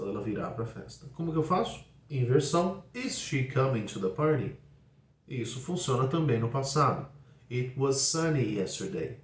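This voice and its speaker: A man with a Brazilian Portuguese accent, teaching an English lesson and saying example sentences slowly and clearly. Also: a little high, a little mellow, recorded from a distance. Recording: echoey room, voice off-mic.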